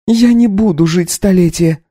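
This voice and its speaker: A man voicing a defiant young countess and mother, speaking in a shrill, pleading way. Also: moderate pace, mellow, no room sound, clean studio sound, close to an everyday voice. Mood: bitter defiant.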